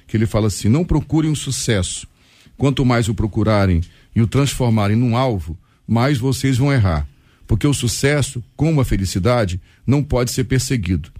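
Man in his fifties, mellow dark tone, warm and personal, recorded dry. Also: mid-range voice, expressive, a little fast, no echo. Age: 50s. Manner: warm, personal, quotes books. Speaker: panel guest. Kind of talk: Christian radio discussion panel.

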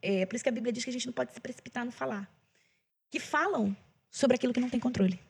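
A woman's voice: fairly high pitch, fast talker, creaky, slightly rough. A Brazilian woman who is a gospel singer, sharing an emotional testimony in a casual chat and repeating phrases for emphasis. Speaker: gospel singer, podcast guest.

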